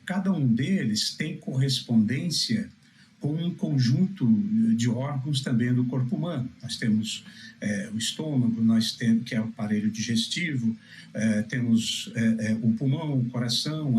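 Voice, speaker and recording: A Brazilian man preaching in answer to questions, with a solemn, deliberate, didactic way of explaining religious teaching. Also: mid-range voice, darkish tone, a little hiss or hum, rough recording.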